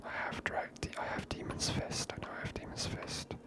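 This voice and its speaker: Male ASMR gaming host: whispered, close-miked, unhurried murmured commentary. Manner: unhurried, murmured thinking aloud.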